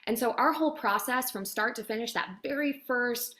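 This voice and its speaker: Woman, higher-pitched voice, chatty, keen and emphatic, explaining a process in an interview. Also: moderate pace, sharp tone. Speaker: voiceover demo producer and director, interview guest.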